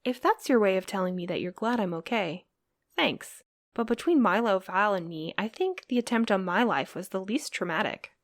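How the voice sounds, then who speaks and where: A woman's voice: medium pitch, animated, moderate pace, no echo, natural voice. Woman playing a wry mail courier, close dry sound. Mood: wry, exasperated. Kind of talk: audio drama acting.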